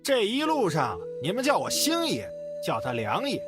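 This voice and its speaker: A man playing a loud, cruel, gleeful bandit thug in a visual novel, brash and threatening in a theatrical way. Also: sits high, wildly swooping pitch, moderate pace. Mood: bossy, stern. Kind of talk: voiced visual novel dialogue in Mandarin. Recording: music playing loudly behind.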